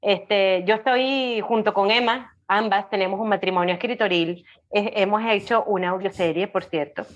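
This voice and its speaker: A woman's voice: mid-range voice, moderate pace, few pauses, highs cut off. A woman chatting as an interview guest, talkative and emphatic as she explains and checks she is understood. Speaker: podcast guest, audiobook creator and writer. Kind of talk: casual interview talk.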